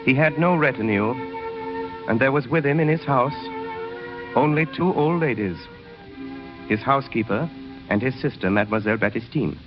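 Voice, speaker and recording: A man narrating a radio drama in a measured storytelling way, on a muffled old broadcast. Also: medium pitch. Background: music.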